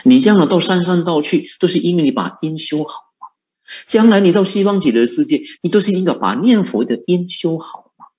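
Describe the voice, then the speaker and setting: A male Buddhist monk gives a dharma talk in Fujian-influenced Mandarin, his voice a little high, expressive, brisk, and darkish in tone. He poses rhetorical questions and chuckles at his own points.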